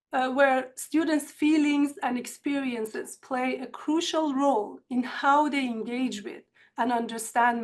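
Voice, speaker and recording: A woman with an Iranian accent presents to colleagues in an online seminar, speaking in a measured, earnest way from prepared remarks. Her voice sits a little high for a woman. It comes through a computer mic on a video call. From Iran. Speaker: university instructor. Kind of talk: academic webinar presentation.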